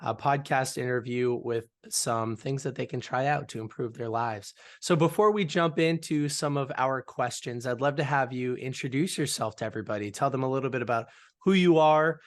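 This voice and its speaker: A man's voice: mid-range voice, moderate pace. A man hosting a podcast interview, friendly and upbeat as he welcomes a guest. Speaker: podcast host.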